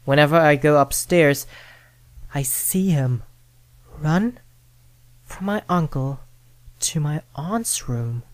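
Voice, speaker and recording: A woman narrating a first-person scary story in a dramatic, deliberate manner with suspenseful pauses. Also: deep voice, expressive, no room sound. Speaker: horror story reader. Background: background music.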